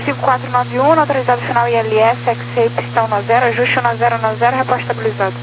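A woman working as an air traffic controller, giving brisk phraseology over a crackly aviation radio. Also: on the high side, steady tone. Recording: crackly radio with hum and noise.

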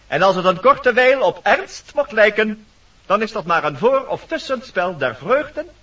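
An actor playing a fussy, officious woodpecker master of ceremonies in a Dutch radio play, formal, pompous and easily exasperated. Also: male voice, sits high, big pitch swings, moderate pace, a bit bright, recorded from a distance, muffled recording, full character voice.

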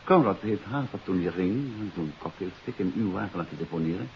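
An actor playing a shrewd, composed gentleman detective in a 1950s radio mystery, probing and explaining courteously. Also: low-pitched, brisk. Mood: explanatory. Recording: hissy, dull 1950s radio recording.

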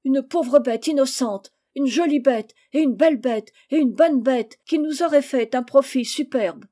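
A shrill, accusing farm wife, as a woman reader puts her on, pitched high and pushed loud. Her scolding is sharp and piercing, in a mellow storybook voice. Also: unhurried. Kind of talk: audiobook character reading.

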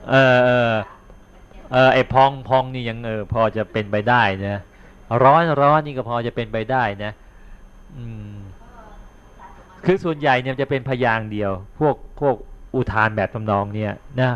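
A man who is a Buddhist monk, retelling an old tale in a loose, chatty dharma talk and pausing to explain words to his listeners. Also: medium pitch, clear, resonant tone. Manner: chatty, repeats words while thinking aloud; explains like a teacher, checks in with listeners. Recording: dull lo-fi recording.

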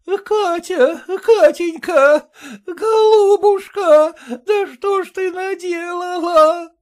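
A man's voice: very high voice, drawn-out words, a little mellow, voice pushed up, full character voice. A man playing an older mother who wails and pleads tearfully. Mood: wailing. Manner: wailing, pleading.

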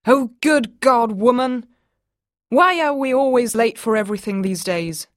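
A woman's voice: medium pitch, animated, moderate pace, no room sound, clean studio sound, natural voice. A woman voicing an impatient husband and father who blusters at his wife. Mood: angry.

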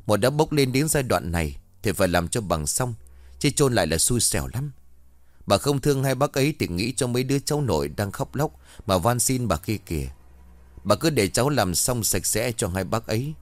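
A man voicing a calm older grave digger in a ghost story, speaking soothingly with small hesitations. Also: mid-range voice, moderate pace, dry recording, close to an everyday voice.

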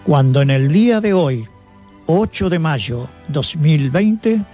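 Slowly and with lively intonation, a man with an Argentine accent and a slightly high voice reads a scripted biography as a radio show host. Background music plays under a dull, lo-fi recording.

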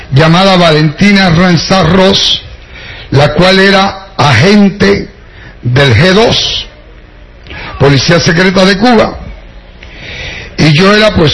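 A man's voice: sits high, fairly bright tone, low-quality recording. An older man from Puerto Rico with a Puerto Rican accent, preaching his testimony to a congregation, addressing listeners directly and slipping in wry jokes. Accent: Puerto Rican Spanish.

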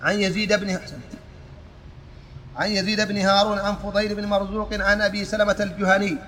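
Reader for a lesson: a high-voiced man, flat and bright, steady recitation in a reverberant hall. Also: fast. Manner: steady recitation with occasional restarts. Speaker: student reading a text aloud. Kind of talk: reciting a religious text in a lesson. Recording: long hall reverb with faint noise.

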